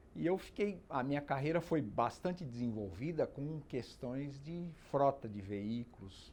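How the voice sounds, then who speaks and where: An unremarkable speaking voice from a man, fairly high for a man, fairly slow with hardly any pauses and lively intonation, over a quiet background. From Brazil, São Paulo. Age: 60s. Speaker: retired fleet and logistics professional. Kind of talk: life story interview.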